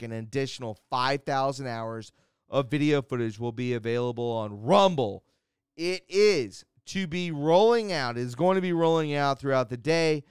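A man's voice: medium pitch, clear, resonant tone, no room sound, studio quality. A man hosting a casual live-stream show, loose and rambling, reading news aloud. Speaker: host.

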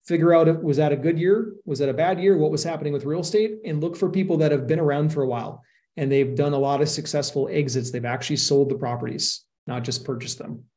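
A man's voice: a little high, fast talker, warm tone. Earnest man explaining investing. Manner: earnest, explains with analogies and worst-case caution. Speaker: real estate investor, guest. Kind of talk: casual podcast conversation.

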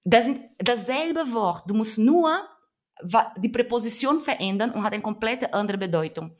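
A woman's voice: on the high side, expressive, moderate pace. A young adult woman from Brazil speaking with a Brazilian Portuguese accent, talking earnestly and emphatically as an activist guest in an interview, often searching for her words. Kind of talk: conversational interview.

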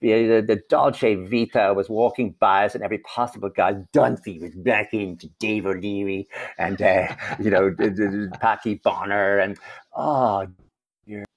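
A man's voice: on the low side, steady tone, normal speed. A man with an Irish accent, a guest in a panel chat, telling stories in a teasing, playful way with mock outrage. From Ireland.

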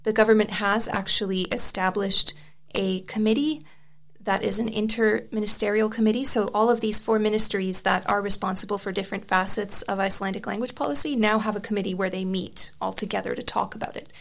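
In this conversational interview, the guest is a young woman and article author whose first language is Serbian. She sounds gravelly and brisk, with a mid-range voice and fairly even intonation, and her thoughtful explanations are full of fillers and restarts.

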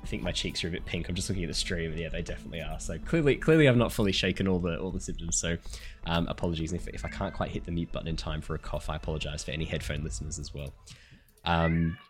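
Casual hoarse guy with a deep voice, dungeon master reading a story recap, a bit of soft music in the back. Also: very fast. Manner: chatty, apologetic, laughing between remarks. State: hoarse after illness. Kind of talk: running a tabletop game and reading a recap.

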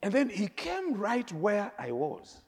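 Kenyan male preacher, middle-aged, fairly high voice, storytelling sermon, shifts quiet to loud. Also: slow pace, creaky, husky. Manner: animated, laughing, swinging between quiet and loud.

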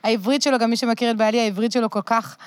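A woman's voice: a little high, fairly even intonation. A middle-aged woman from France with a French accent in Hebrew, chatting reflectively as an interview guest. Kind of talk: casual reflective conversation.

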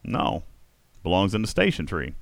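This is a man hosting a casual group talk, his pitch swinging widely as he questions the others and thinks out loud. The sound is close and dry, with almost no room behind it. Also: moderate pace, vocal fry, dry recording. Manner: animated, questioning, musing aloud. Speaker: podcast host.

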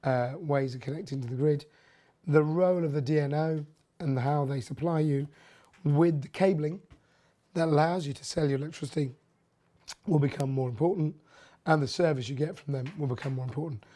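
A hoarse host whose voice is nearly gone, leaving a husky, mellow, dark tone. The delivery is loose and casual, full of ums, restarts and opinionated side remarks as the host chats through the news. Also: mid-range voice, fairly quick. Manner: rambling, filler-heavy, opinionated asides. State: hoarse, losing voice. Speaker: podcast host. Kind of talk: casual energy news commentary.

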